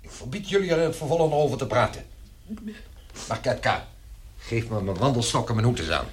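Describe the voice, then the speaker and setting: An actor in a radio drama playing a stern middle-aged father, pompous and domineering, by turns halting and commanding. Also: mid-range voice, big pitch swings, slight background noise, lightly acted. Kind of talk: Dutch radio drama acting.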